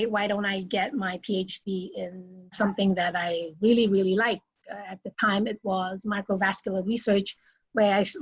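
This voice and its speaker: A woman with an American accent giving a relaxed online lecture over a video call, chatty and self-deprecating. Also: mid-range voice, husky, rough recording. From United States. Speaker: invited speaker, academic.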